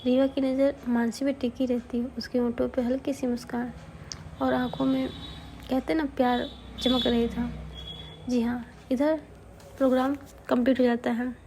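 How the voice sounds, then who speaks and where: High-voiced woman telling a story. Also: level tone, normal speed, dark tone, a little hiss or hum. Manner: chatty asides to listeners, self-corrections. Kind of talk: casual spoken storytelling.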